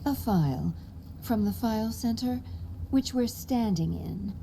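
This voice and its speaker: A woman's voice: on the high side, animated, measured pace, creaky, dark tone, a little hiss or hum, rough recording. A woman playing a sultry female bat spy in a cartoon audio drama, with a sly, flirtatious, mocking delivery. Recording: music behind the voice.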